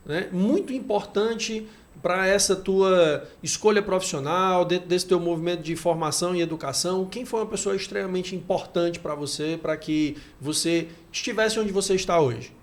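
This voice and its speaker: A man's voice: sits high, moderate pace. A man hosting a podcast, giving enthusiastic introductions and interviewing a guest. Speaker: podcast host.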